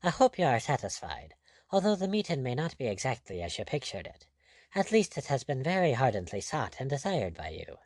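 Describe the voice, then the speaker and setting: A man voicing a cool, courteous, mocking pirate captain, quietly firm and sardonic, in an audiobook adventure story. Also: mid-range voice, big pitch swings, brisk, no echo. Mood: calm, mocking.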